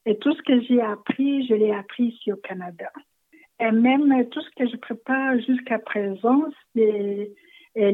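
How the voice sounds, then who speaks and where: A woman in her fifties from Rwanda, answering interview questions softly and hesitantly, with many pauses. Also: fairly high pitch. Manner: soft-spoken, hesitant with frequent pauses. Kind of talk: personal interview. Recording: narrow phone-like audio.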